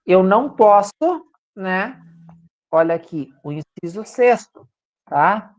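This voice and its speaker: A man's voice: high-pitched, expressive, slow, muffled recording. A male law professor with a Brazilian Portuguese accent, giving a classroom lecture and checking in with students after nearly every point. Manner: checks in constantly with "tá, gente?" tag questions.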